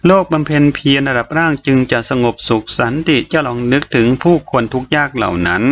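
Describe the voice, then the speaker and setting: A man's voice: mid-range voice, a little fast, a bit bright, natural voice. A man voicing a sinister, scheming spirit that tempts and urges in a coaxing way, in an audiobook. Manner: coaxing, insistent urging. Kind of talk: audiobook character voice. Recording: slightly muffled recording, faint noise.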